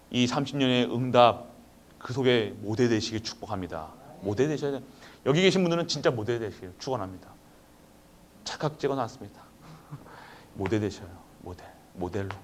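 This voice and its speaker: A man preaching a Friday sermon as pastor in a church, with many rhetorical questions, moving between low quiet asides and raised, emphatic calls. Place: church sanctuary.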